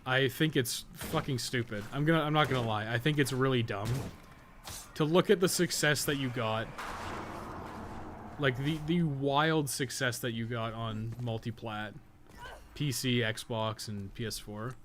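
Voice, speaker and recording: A North American man chats casually on a game livestream while playing, rambling in a blunt, opinionated, sweary way. He streams games and co-hosts a podcast. His mid-range voice is unhurried and a bit bright, with slight background noise.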